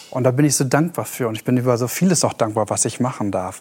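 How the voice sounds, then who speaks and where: Noticeable background noise under a man talking at a fairly quick pace with ordinary pitch variation. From northern Germany, Bremen. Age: 30s. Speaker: car accident survivor with amnesia. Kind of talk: talk show interview. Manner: halting.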